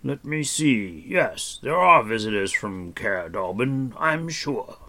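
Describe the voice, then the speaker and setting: A man voicing a huge, white-bearded old hermit who is stern but kindly and talks in a slow, musing, absent-minded way. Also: mid-range voice, sing-song, pushed and bright, full character voice. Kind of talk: audiobook character voice.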